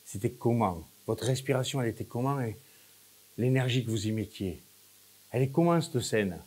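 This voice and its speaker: A man leading a hypnosis session, giving short, repetitive, coaxing instructions with pauses between phrases. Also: mid-range voice, expressive, a little mellow, breathy edge. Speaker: hypnosis practitioner leading a demonstration.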